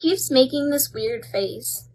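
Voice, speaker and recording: A woman playing a snooty, short-tempered schoolgirl bully with a bossy, mocking manner in an animated roleplay story. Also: sits high, slow pace, heavily acted, poor audio. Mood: annoyed.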